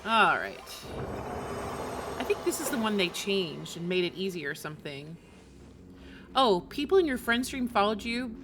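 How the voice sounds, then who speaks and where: A woman's voice: mid-range voice, sing-song, normal speed, pauses often, noisy background. A woman livestreamer chatting casually with her viewers while she plays a game.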